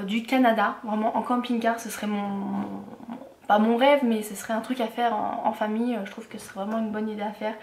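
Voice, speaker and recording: Woman vlogger, casual and rambling, slightly high voice, roomy echo. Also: a little hiss or hum. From France. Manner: chatty, many fillers and restarts. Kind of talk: casual haul vlog.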